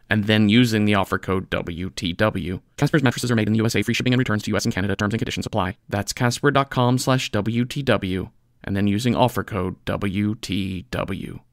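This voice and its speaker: A man reading a scripted comedic sponsor spot in a playful, deadpan, conversational way. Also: lowish voice, no room sound, clean studio sound. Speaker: podcast writer reading a sponsor ad.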